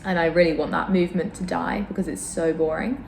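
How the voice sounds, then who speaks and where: A woman's voice: lowish voice, fairly even intonation, brisk, a little mellow. A woman vlogger with a slight sore throat chats casually to camera about her opinions, informal and self-deprecating. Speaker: vlogger and host. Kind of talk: casual fashion chat to camera. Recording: roomy echo, clear background noise.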